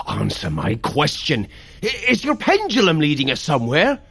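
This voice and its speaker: An actor playing a gruff, exasperated male thunder god with a husky voice in an audio drama. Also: a little high, huge pitch swings, moderate pace, fairly bright tone, full character voice. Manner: weary, grumbling.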